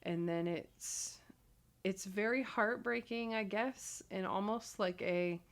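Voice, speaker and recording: A woman in her thirties co-hosting a casual marriage advice talk, agreeing often and filling pauses with ums. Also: mid-range voice. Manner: agreeable, frequent affirmations and ums. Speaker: podcast co-host.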